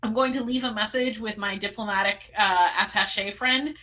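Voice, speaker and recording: A woman's voice: mid-range voice, steady tone, normal speed, pushed and bright. A woman playing in a tabletop role-playing game, chatting casually and hesitantly. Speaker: player.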